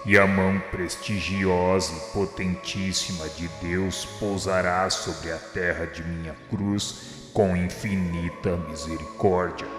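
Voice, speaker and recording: A Brazilian man playing Jesus as a serene, solemn divine lord in a devotional radio drama, with a measured, exalted delivery. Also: low voice, steady tone, a bit bright. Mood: solemn reassurance. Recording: reverberant hall effect under clear music.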